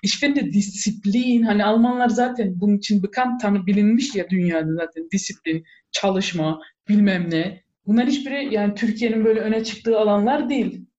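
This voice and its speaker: A woman's voice: mid-range voice, steady tone, fairly quick, few pauses, darkish tone. Casual conversational woman, mixes in phrases, slightly lo-fi sound. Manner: mixes in German words and phrases. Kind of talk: casual chat.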